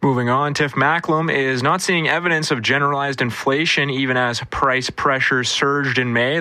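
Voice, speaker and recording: A man reading scripted radio news and weather in a brisk, even delivery. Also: mid-range voice, no echo. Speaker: radio newsreader.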